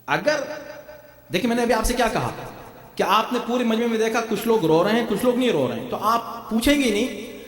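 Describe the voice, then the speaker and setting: A man delivers a fervent majlis sermon, his rather high voice swooping widely as he builds to shouts. He is heard from some distance in a large, reverberant hall. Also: animated. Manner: rhetorical, rising to impassioned shouts. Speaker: preacher. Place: large hall before a congregation. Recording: echoey hall, distant mic.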